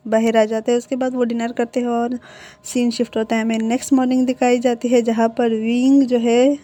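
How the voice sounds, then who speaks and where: A woman retells a fan story in a loose, chatty way, with fillers and quick self-corrections. Her voice sits a little high but sounds mellow and soft. A sore throat gives it a hoarse edge. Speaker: storyteller and channel host.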